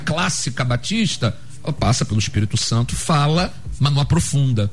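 A man talks with an ordinary speaking voice at a fairly high pitch. His intonation is lively and his pace fairly quick. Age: 50s. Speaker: Baptist pastor. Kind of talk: panel debate on radio.

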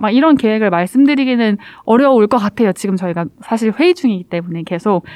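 Speaking at a fairly quick pace in a normal speaking voice, a woman with fairly high pitch uses lively intonation, recorded dry and close with no echo. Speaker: journalist podcast co-host. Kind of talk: casual chat.

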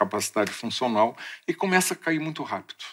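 The sound is dry and close, with no echo. A man speaks at a moderate pace, his pitch swinging very widely. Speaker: physician and ageing researcher. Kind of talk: lecture.

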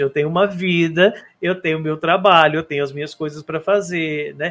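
This man's voice sits at a high pitch. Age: 30s. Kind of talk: casual chat.

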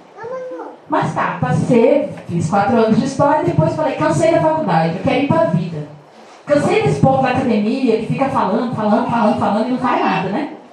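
A woman talks at a fairly quick pace with a fairly high pitch and very wide pitch swings. Noticeable background noise and audible room echo are present. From Paraná, Brazil (quilombola community). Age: 20s. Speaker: activist and law student. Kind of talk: talk to a community audience.

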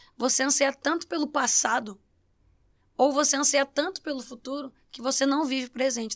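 Recorded very cleanly against a silent background, with a dry, close sound and no echo, a woman speaks at a high pitch and a moderate pace with fairly even intonation. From Rio Grande do Sul, Brazil (Caxias do Sul). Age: 20s. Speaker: gospel singer and pastor. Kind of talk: casual interview chat.

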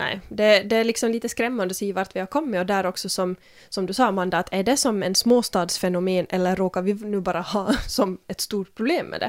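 A woman with an unremarkable speaking voice talks at a fairly quick pace with hardly any pauses and ordinary pitch variation. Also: medium pitch for a woman. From Finland, Ostrobothnia (Jakobstad). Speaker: podcast host. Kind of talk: casual chat.

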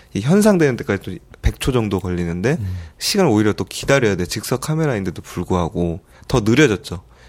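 At a fairly quick pace, a man with a fairly low pitch speaks with lively intonation. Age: 30s. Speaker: camera company PR staffer. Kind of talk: interview.

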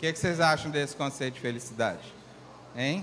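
A man speaks with a fairly high pitch and ordinary pitch variation. The room echo is audible. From Brazil. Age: 60s. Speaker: spiritual author and medium. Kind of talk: lecture.

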